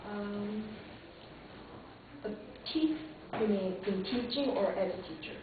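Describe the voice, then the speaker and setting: A woman's voice: mid-range voice, slow pace, noisy background. Woman with a Korean accent, echoey and distant. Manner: earnest, hesitant with restarts and fillers. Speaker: job applicant for English teacher. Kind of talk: mock job interview answers. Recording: distant echoey lo-fi phone-like room recording.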